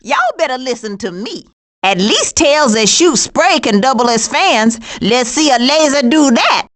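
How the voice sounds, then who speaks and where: High-pitched, sassy skunk. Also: female voice, animated, measured pace, fairly bright tone. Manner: sarcastic, slangy, wisecracking. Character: sassy, streetwise female skunk with a sarcastic temper. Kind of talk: animated video game voice acting.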